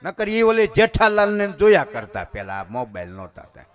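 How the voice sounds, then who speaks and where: Guy preaching a katha, kinda high voice, folksy and chatty. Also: wildly swooping pitch, moderate pace, clear, resonant tone. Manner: folksy, conversational, addresses listeners as bapu. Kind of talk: devotional sermon.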